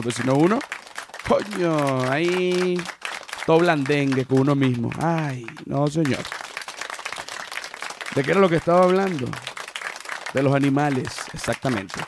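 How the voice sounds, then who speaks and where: A man hosting a podcast with an animated comedic monologue, swinging between loud outbursts and low mumbles. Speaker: podcast host.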